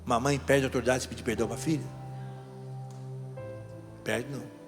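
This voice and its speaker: This time the middle-aged Brazilian-accented deacon's voice is mid-range, fairly even in intonation, and a little fast. He preaches in a chatty, storytelling way aimed straight at his listeners, with the reverberant hall and faint music still in the background.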